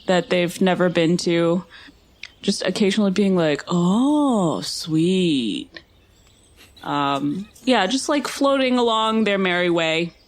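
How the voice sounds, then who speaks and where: A woman playing a tabletop game, casually describing her character in a laid-back, understated way. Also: medium pitch.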